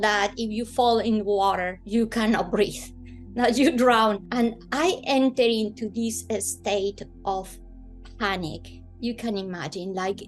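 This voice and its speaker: A woman with a Colombian accent, a native Spanish speaker, telling a personal story in an interview with expressive, dramatic emphasis. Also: medium pitch, low-quality recording. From Bogota, Colombia.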